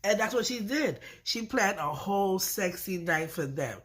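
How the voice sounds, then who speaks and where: A woman's voice: mid-range voice, animated, normal speed. A woman with a stuffy nose from allergies, recapping a reality show in a chatty, blunt and profane way. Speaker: reality TV reviewer. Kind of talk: casual recap vlog.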